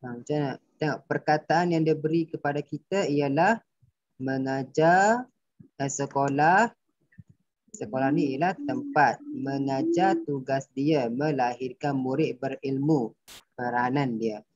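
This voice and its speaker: A man's voice: mid-range voice, a little slow, a little mellow, no room sound. Patient Malaysian male teacher, dull recording. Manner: patient, repetitive explaining, quizzing pupils. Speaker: primary school teacher. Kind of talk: online grammar lesson.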